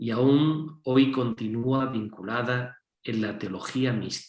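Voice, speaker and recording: A man's medium-pitched voice in a Madrid accent, with ordinary pitch variation. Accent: Castilian Spanish (Madrid). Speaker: writer giving a conference talk. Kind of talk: lecture read from a script; lecture introduction, spontaneous. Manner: hesitant, repeating words.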